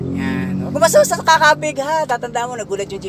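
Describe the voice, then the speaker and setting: Against noticeable background noise, a man talks at a fairly quick pace with very wide pitch swings. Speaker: driving instructor. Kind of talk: driving lesson instruction. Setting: in a car. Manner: casual, instructive.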